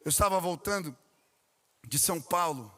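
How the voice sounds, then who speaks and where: A Brazilian man, a pastor preaching a sermon, telling stories with animated delivery and asking the congregation questions. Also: fairly high pitch, moderate pace. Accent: Brazilian Portuguese. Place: church sanctuary. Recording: long reverb in a large church hall.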